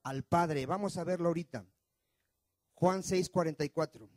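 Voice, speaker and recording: A male pastor preaches, firing question after question at his congregation. His voice sits fairly high for a man, swinging from loud pushes to low murmurs. The sound is dry and close. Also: normal speed, no room sound. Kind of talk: sermon. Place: church.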